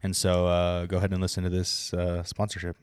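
A man's voice: sits low, completely flat delivery, brisk, darkish tone, clear, resonant tone. A man hosting a sports podcast with casual, joking, irreverent banter. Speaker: podcast host.

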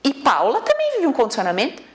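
A woman with a Brazilian accent giving a casual online lesson as an emotional coach. She talks in an animated, blunt, informal way and sometimes swears. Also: sits high, quick pace. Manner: acts out quoted inner voices. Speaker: emotional coach teaching a method.

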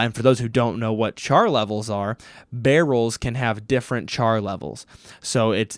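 A man's voice: medium pitch, no echo, clean studio sound. Casual man hosting a podcast. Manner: casual, chatty, thinking aloud with fillers. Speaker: podcast host. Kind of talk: solo Q&A podcast.

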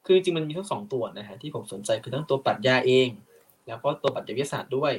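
A man's voice: mid-range voice, lively intonation, quick pace. A young man, a guest in an interview, explaining his views at length and acting out quoted arguments. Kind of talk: conversational interview.

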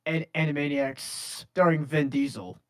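A man's voice: on the high side, steady tone, a little slow, a bit bright. A man in his twenties in a casual group chat, cracking jokes and laughing. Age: 20s. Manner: wisecracking, laughs.

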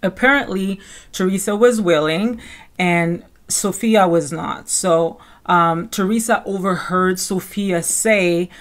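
Woman, Caribbean French accent, slightly low voice, podcast host, casual gossip commentary, conversational, checks in with listeners. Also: slow pace.

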